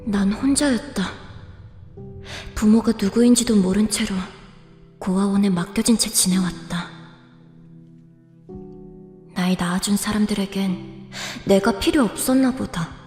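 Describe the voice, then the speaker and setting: A woman's voice: medium pitch, unhurried, long pauses, a little mellow, lightly acted. A woman playing a frightened, lonely orphan boy in an audio drama, plaintive and emotional. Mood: sorrowful narration. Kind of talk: audio drama acting and first-person narration. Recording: reverberant, echoey, music behind.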